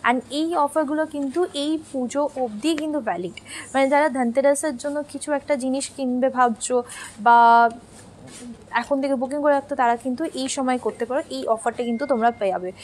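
A woman's voice: high voice, brisk, slight background noise. A young woman hosting a live jewellery sales stream, chatting casually, answering viewer comments and switching between languages. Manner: chatty, switching between Bengali, Hindi and English; reads viewer comments aloud and answers them.

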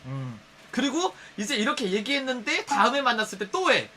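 A man's voice: extremely high pitch, huge pitch swings, brisk, pushed and bright, slight background noise. A man giving casual advice in a campy, teasing way, often acting out little scenes. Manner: campy, teasing, playacts voices.

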